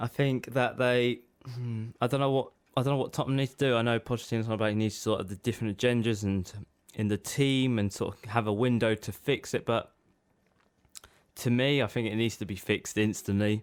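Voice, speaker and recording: The speaker has an English accent and a fairly quick pace. Intonation stays fairly even. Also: man, medium pitch for a man. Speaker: football radio host. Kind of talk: solo football talk show. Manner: hesitant, many ums.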